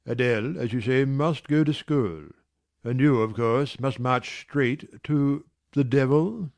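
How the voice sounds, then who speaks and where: A man voicing a brusque, teasing, middle-aged gentleman employer in a dramatized reading of a classic novel. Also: medium pitch, slow. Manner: gruff, teasing, commanding.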